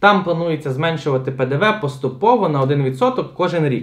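In front of a quiet background, a man talks fairly slowly. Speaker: lawyer. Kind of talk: explainer commentary. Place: studio.

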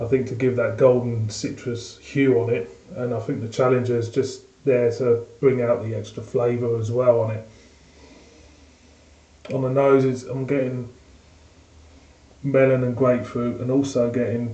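A man speaks in a monotone, flat intonation, his voice somewhat breathy. Long, frequent pauses break his speech, and room echo is audible. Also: moderate pace. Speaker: beer reviewer. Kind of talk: casual review vlog. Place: home room. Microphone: webcam.

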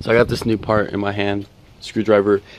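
A man is speaking. His pace is very fast. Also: dry sound with no echo. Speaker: youtuber. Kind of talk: casual vlog chat. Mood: surprised, excited. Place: street. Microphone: phone near.

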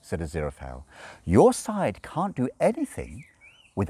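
Natural-voiced reading aloud

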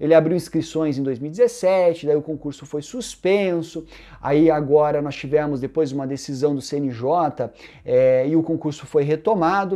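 Over a quiet background, a man with a fairly high pitch and a dark, mellow tone talks at a fairly slow pace with ordinary pitch variation. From Paraná, Brazil. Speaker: exam-prep teacher. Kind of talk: video lecture to camera. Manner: informal, conversational. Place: office. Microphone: lapel.

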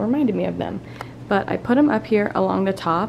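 A woman speaks at a very fast pace and a medium pitch. Light background noise sits behind her. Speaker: elementary school teacher. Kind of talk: casual vlog narration. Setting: empty school classroom. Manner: quiet, soft-spoken. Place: classroom. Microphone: phone near.

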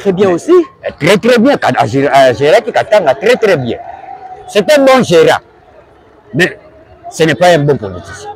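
Against crowd noise, a man with a high pitch speaks at a fairly slow pace with very wide pitch swings and long, frequent pauses, the sound dry with no echo. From DR Congo. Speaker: voter interviewed on the street; interviewee. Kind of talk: street interview, political opinion. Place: street. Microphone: lapel.

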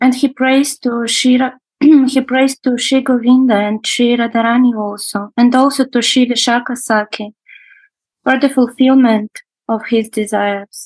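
A woman's high pitch in a monotone, flat intonation at a very slow pace, dry with no echo, against a quiet background. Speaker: interpreter. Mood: calm devotional. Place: home room. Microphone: video call.

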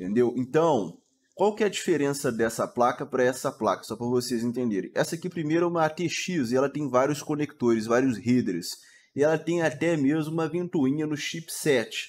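A man with a Brazilian accent talks at a moderate pace with lively intonation over light background noise. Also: fairly high pitch for a man. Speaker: tech deals YouTuber. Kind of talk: commentary on product deals. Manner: informal, chatty, repeats prices for emphasis. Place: home room.

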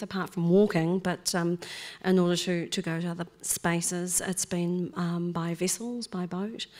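In a New Zealand accent, a woman speaks at a moderate pace and a fairly low pitch. Her intonation is monotone and flat. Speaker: artist; guest. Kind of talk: panel discussion. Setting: live broadcast before a cinema audience. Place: stage. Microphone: studio mic.

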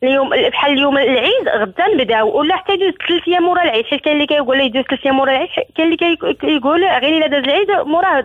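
A woman talks at a very fast pace with hardly any pauses. Her high voice has lively intonation. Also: very even loudness. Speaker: caller. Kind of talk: phone-in question. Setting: phone call.

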